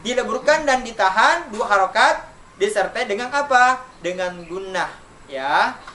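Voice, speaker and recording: A man with an unusually high voice teaches young pupils how to recite, posing questions and answering them himself. He draws out each example in a slow chant. He sits away from the mic, with a faint hiss in the background. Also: lively intonation, bright, forceful tone, recorded from a distance. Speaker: elementary school Quran recitation teacher. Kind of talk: online tajwid lesson for children.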